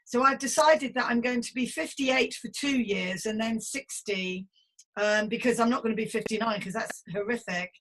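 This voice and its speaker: A woman's voice: a little high, moderate pace, a bit bright, poor audio. A woman in her fifties hosting a casual conversational podcast interview in an effusive, chatty, playful way. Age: 50s. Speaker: podcast host.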